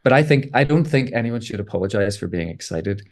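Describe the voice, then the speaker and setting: Low-voiced man, measured physicist guest. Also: lively intonation. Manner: thoughtful, measured explaining. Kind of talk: casual interview talk.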